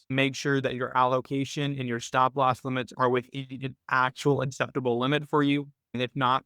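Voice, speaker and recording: A man speaks as the host of an informal live coaching call. His voice is mid-pitched and crisp, and he explains things step by step, often restating his points. The sound is close and dry, with very little room in it. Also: fairly bright tone, dry recording. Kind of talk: informal financial coaching, live webinar commentary.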